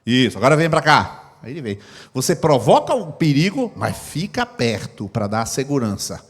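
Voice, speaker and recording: A man's voice: medium pitch, very animated, normal speed, breathy edge. A middle-aged man preaching a sermon as pastor, acting out scenes with sound effects. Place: church hall. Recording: long hall reverb.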